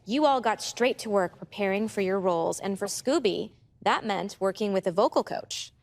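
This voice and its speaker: A woman's voice: mid-range voice, lively intonation, moderate pace, lightly acted. A woman playing a chirpy host of a TV reunion special in scripted presenting style.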